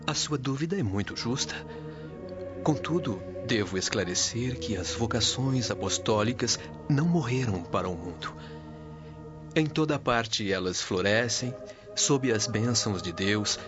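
A Brazilian man playing a gentle, devout early Christian preacher in a radio drama, with a reverent, oratorical, unhurried delivery. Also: on the low side, natural voice. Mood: kindly, assured. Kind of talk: dramatic radio soap acting. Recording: dull lo-fi radio drama recording. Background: loud dramatic music.

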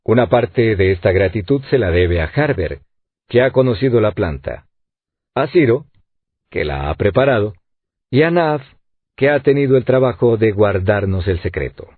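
A man voicing a friendly male journalist in an audiobook, coaxing, with a husky voice. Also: on the low side, animated, normal speed, dry recording. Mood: explaining. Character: genial male journalist, teasing and warm. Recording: dry, tinny phone-like sound.

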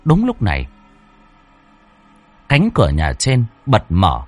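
A man's voice: fairly low pitch, huge pitch swings, slow, a little mellow, no echo, soft background music. A man narrating a ghost story in a dramatic, vivid storytelling manner.

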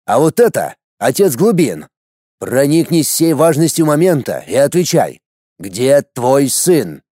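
A man reading an audiobook, voicing an arrogant tribal warrior who threatens and shouts. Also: mid-range voice, sing-song, unhurried, husky, dry recording, studio quality. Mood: menacing. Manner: shouting, menacing, pompous.

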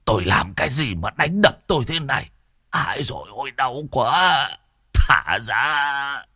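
A man's voice: very deep voice, unhurried, fairly bright tone, slightly rough, no echo, clean studio sound, pitched below the performer's own voice, heavily acted. Man doing a stammering old village exorcist. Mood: whimpering. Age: older. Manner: stammering, whimpering. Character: old male exorcist, jovial then beaten and whimpering.

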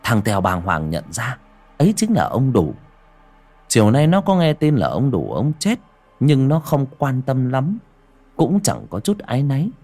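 A man narrating a horror story dramatically, dropping to a hushed, slow delivery for suspense. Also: medium pitch, wildly swooping pitch, soft background music.

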